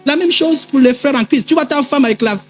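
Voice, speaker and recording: High-voiced animated preacher man. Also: a little fast, soft background music. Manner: animated storytelling, acting out dialogue, frequent fillers. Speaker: pastor. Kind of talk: sermon with acted anecdotes.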